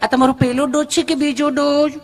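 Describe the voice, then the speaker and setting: A man playing a gentle, prying young nurse in a comic anecdote, speaking. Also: very high-pitched, flat delivery, a little fast, voice pushed up. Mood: sweetly inquisitive. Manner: soft, coaxing questions. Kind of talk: stand-up comedy anecdote.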